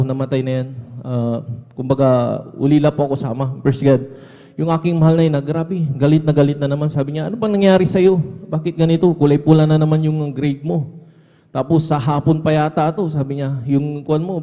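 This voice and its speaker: A man's voice: a little high, dark tone. A man giving an earnest church testimony, constantly repeating a fond address to the congregation, from a church pulpit. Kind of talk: testimony at a prayer service. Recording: echoey hall with long reverb.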